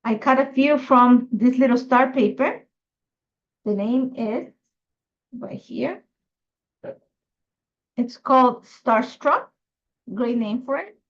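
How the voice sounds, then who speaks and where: A woman's voice: fairly high pitch, slow pace, pauses often, muffled recording. A middle-aged woman from Ecuador, chatty and thinking aloud as she hosts a live scrapbooking tutorial. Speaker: craft host.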